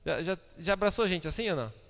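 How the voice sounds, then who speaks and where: Man, pastor preaching a sermon, high voice, swings from shouts to hushes, long church reverb. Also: animated, fast, gravelly. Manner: impassioned, swinging between loud outbursts and hushed asides. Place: church sanctuary.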